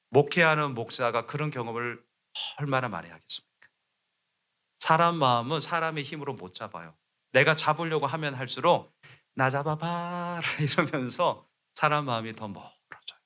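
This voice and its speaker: A man preaching a sermon as pastor, animated and leading his congregation in reading scripture aloud. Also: mid-range voice, moderate pace. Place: church sanctuary.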